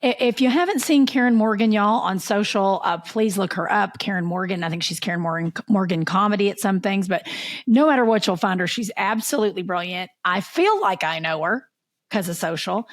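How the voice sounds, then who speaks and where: A woman's voice: mid-range voice, brisk. A woman co-hosting a podcast, bubbly and effusive in casual chat, saying "y'all.". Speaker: podcast co-host.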